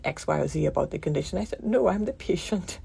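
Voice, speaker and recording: A woman physician giving a radio interview, with a croaky voice from a damaged vocal cord nerve, explaining things calmly with many pauses. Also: low voice, a little hiss or hum. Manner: calm, explanatory, pauses often.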